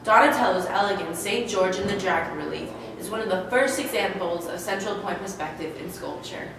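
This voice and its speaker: A woman's voice: on the low side, brisk, a crowd in the background. A woman acting as an interviewer in a scripted mock interview, asking eager questions and reading narration. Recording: echoey hall from far off, noisy.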